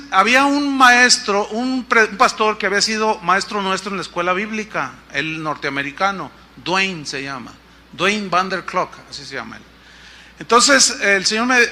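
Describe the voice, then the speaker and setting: Pastor guy telling a story in his sermon, high bright voice, does the other people's voices. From Mexico. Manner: storytelling, acting out quoted voices.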